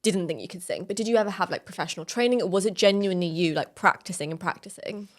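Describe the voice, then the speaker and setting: A woman's voice: fairly low pitch, fast. A woman co-hosting a podcast, asking questions casually and affirming her guest with frequent yeahs. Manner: eager, affirming, lots of yeahs. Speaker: podcast co-host. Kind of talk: casual interview chat.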